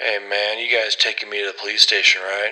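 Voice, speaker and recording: A man puts on a raspy character voice. He speaks at a fairly quick pace. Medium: read story. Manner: pleading, shaky.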